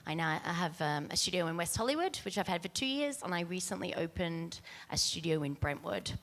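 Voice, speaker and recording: A soft-spoken woman with an Australian accent, introducing herself as a panelist on a stage before an audience, speaking into a handheld mic. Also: lowish voice, very animated, a little fast. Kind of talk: panel talk. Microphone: handheld mic, far camera.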